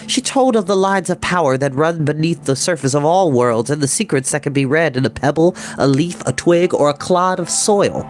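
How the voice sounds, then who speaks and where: A woman's voice: sits low, lively intonation, moderate pace, hardly any pauses, a little mellow. A woman narrating a children's story expressively, as a storytime reader. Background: music.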